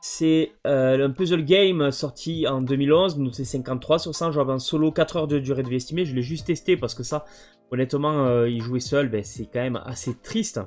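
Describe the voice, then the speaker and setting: A man's voice: mid-range voice, moderate pace, darkish tone, soft background music. A man casually presenting his video game collection, hesitant and full of fillers. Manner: hesitant, many fillers and restarts.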